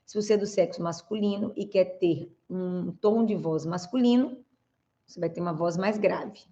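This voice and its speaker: A woman's voice: mid-range voice, mellow. Brazilian lady speech coach explaining stuff patiently, kinda muffled audio. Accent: Brazilian Portuguese. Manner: didactic, explains step by step with frequent "né?" and "tá, gente?". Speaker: speech therapist and communication coach. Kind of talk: answering viewer questions on camera.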